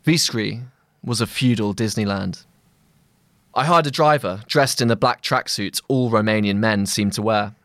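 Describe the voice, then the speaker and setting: A man narrating a scripted long-read essay as a journalist, in measured, deliberate phrasing. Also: lowish voice, fairly bright tone, no room sound, studio quality.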